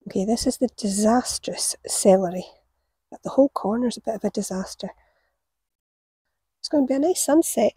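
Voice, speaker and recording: Her voice a little high, warm and slightly breathy, this forties-something gardening vlogger talks at a moderate pace with long pauses. She chats casually and tells stories she laughs at while working on an outdoor allotment. The recording is dry, from a camera placed on the ground a few metres away.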